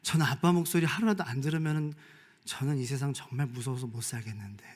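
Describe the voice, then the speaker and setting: A man preaching a Sunday sermon as pastor, moving between quiet asides and loud, shouted calls. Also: mid-range voice, fast. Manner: swings from soft whispers to loud shouted calls.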